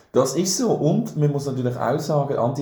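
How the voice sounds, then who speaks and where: In a room with audible echo, a man speaks in a fairly high pitch with a dark, mellow, somewhat breathy tone and ordinary pitch variation. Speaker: podcast co-host. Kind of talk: casual chat.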